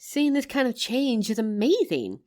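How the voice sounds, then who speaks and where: A woman's voice: fairly high pitch, measured pace. Woman playing a loving tired wife home from work, teasing and affectionate, talking right to you, voice goes up and down a lot. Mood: surprised, relieved. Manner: affectionate, playful, expressive. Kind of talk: intimate roleplay audio addressed to listener.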